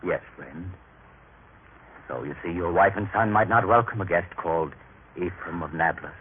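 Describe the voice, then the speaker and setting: An actor playing a kind, humble Samaritan traveler in an earnest, measured old radio drama style. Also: male voice, low-pitched, close to an everyday voice. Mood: grave, reserved. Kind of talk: old-time religious radio drama acting. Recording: tinny, noisy vintage radio recording.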